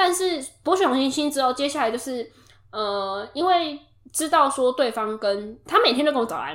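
Speaking with a Taiwanese accent, a woman uses a high pitch at a moderate pace. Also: lively intonation. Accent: Taiwanese Mandarin. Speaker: podcast host. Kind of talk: casual chat.

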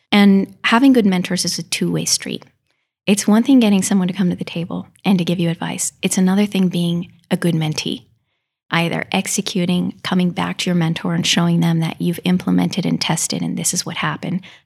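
A woman with a somewhat breathy, fairly low voice talks at a fairly quick pace with fairly even intonation, recorded very cleanly over a silent background. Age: 40s. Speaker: startup CEO. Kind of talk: interview.

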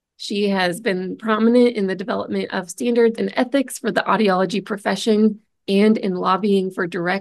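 A woman talks in an ordinary speaking voice at a medium pitch and a moderate pace. Her intonation is fairly even against a quiet background. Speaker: podcast host. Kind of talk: casual interview conversation.

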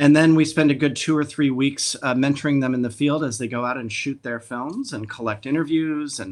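In an American accent, a man talks fairly quickly with an unremarkable speaking voice, medium pitch and ordinary pitch variation. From Colorado, US. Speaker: documentary filmmaker and nonprofit director. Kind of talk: interview.

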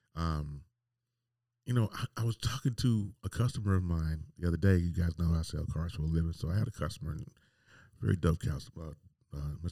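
A man's very deep, low voice with a dark, mellow tone, a fairly quick pace broken by long, frequent pauses, ordinary pitch variation, and a dry, close sound with no echo. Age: 40s. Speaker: podcast host. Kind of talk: casual monologue; reading news aloud. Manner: halting.

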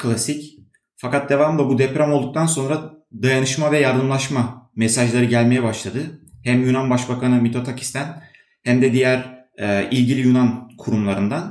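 A man with an ordinary speaking voice talks at a moderate pace and medium pitch. His intonation is fairly even, and his loudness stays very even. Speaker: graduate student and SAP consultant. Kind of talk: interview. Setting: remote call.

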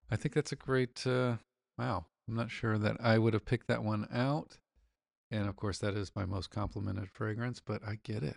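A man with an American accent speaks at a moderate pace and fairly low pitch, with vocal fry and ordinary pitch variation, in a dry, close sound with no echo and a quiet background. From US Midwest (Indianapolis, Indiana). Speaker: podcast co-host, fragrance reviewer. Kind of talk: casual chat.

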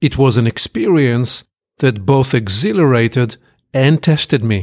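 This very clean recording has a silent background and a dry, close sound with no echo. A man with a plain, everyday voice talks at medium pitch with ordinary pitch variation. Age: 50s. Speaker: consultant and podcast host. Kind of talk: reading a letter aloud.

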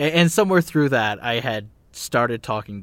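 The speaker has a normal speaking voice with ordinary pitch variation. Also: man. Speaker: podcast host and showrunner. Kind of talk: casual interview chat. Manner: rambling, many filler words.

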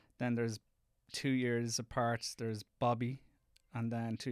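This man speaks with an Irish accent at a medium pitch and a moderate pace. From Ireland, Dublin. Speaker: actor and director. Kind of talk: casual chat. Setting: studio.

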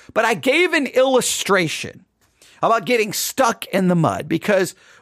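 In an American accent, a man speaks on a very clean recording with a silent background. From West Texas. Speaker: theology podcast host. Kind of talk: solo podcast commentary. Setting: studio. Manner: halting, with frequent restarts.

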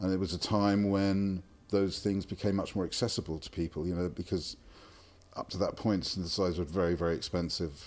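A man with a London accent speaks at a fairly quick pace in a very deep, low voice with flat, monotone intonation. The recording is very clean, with a silent background. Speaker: electronic musician. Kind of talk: interview. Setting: festival. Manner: halting.

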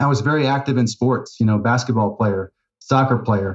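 A man with an American accent speaks at a fairly quick pace in a normal speaking voice. His pitch sits in the medium range, and his intonation stays fairly even. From US Mid-Atlantic (Norfolk, Virginia / Annapolis, Maryland). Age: 40s. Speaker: architect and program participant. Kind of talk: interview.

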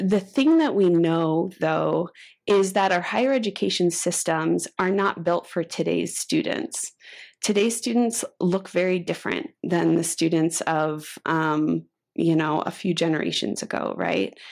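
In an American accent, a woman with a normal speaking voice talks at a fairly slow pace and fairly low pitch, with ordinary pitch variation, on a very clean recording with a silent background. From Texas, Houston. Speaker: higher education policy director. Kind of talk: interview.

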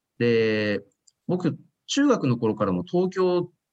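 A man's voice in a dry, close sound with no echo. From Fukushima, Japan (Minamisoma). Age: 40s. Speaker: company CEO. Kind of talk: interview.

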